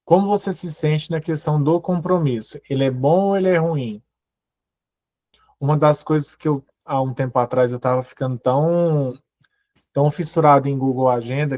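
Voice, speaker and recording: A man gives a motivational talk on personal growth in a fairly high voice. He keeps firing rhetorical questions at his listeners. The recording sounds muffled and dull. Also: darkish tone, no room sound.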